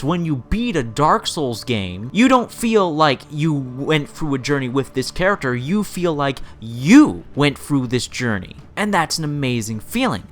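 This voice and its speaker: Male video essay host: lively, swinging intonation, mid-range pitch, opinionated and informal, faint music underneath. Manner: emphatic, repeats and stacks words for emphasis. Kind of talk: video essay commentary on games.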